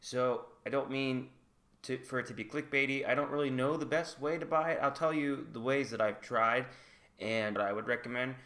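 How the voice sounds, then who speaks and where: An American man, a native English speaker, chats casually to the camera in his own channel video, sharing personal experience with candor and lots of hedging like "like" and "I guess." His voice sits at a medium pitch with a slightly bright quality, and he speaks at a moderate pace.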